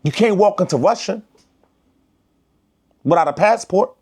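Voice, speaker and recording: A fairly high-pitched man with an African American Vernacular accent talks straight to the camera in an emphatic, preaching way. He is from the United States and leans heavily on slang. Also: expressive, measured pace, a little mellow, husky. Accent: African American Vernacular English. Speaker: vlogger. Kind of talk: direct-to-camera commentary.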